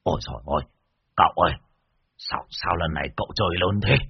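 A man's voice: deep voice, fast, breathy edge, dry recording, highs cut off, exaggerated voice. A man voicing a panicky, easily frightened old house owner who yelps and stammers. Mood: startled awe. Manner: yelping, flustered.

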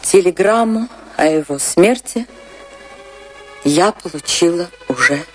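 A woman's voice: lowish voice, lively intonation, soft background music. An actress playing a passionate, lovelorn woman dancer in a radio drama, speaking with theatrical emotion and wistful grief. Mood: wistful, breathless. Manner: dramatic, slow, emotional delivery.

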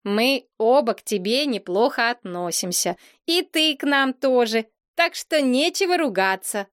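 A level-headed boy, matter-of-fact and reasoning, settling a quarrel, as a woman reading a storybook puts him on. The voice is fairly high and lively. Close and dry sound. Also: unhurried, no room sound. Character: sensible peacemaking boy. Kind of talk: audiobook character voice.

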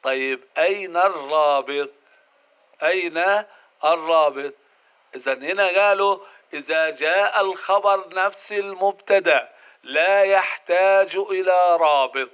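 A man's voice: sits high, a little slow, clear, resonant tone. A man teaches grammar, working through each point in order. He puts questions to the class and answers them himself. The recording sounds dull and lo-fi. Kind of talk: explanatory grammar lesson.

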